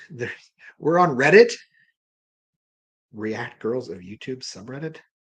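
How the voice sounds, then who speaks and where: A man talks at a medium pitch and a fairly slow pace. His voice is breathy, with lively intonation. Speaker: movie reaction channel host. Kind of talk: live stream chat. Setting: live stream. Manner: energetic.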